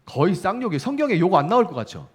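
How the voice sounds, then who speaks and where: A middle-aged man preaching a Sunday sermon as pastor, acting out quoted lines and dropping soft and low at gentle moments. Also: very fast. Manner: lively, acts out quoted speech in shifting voices; drops to a soft low voice when speaking gently.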